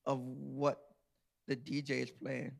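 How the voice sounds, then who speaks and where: A man's voice: mid-range voice, completely flat delivery, slow, vocal fry. A middle-aged man, telling a playful, laughing story to a live audience as a guest author. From Georgia, USA.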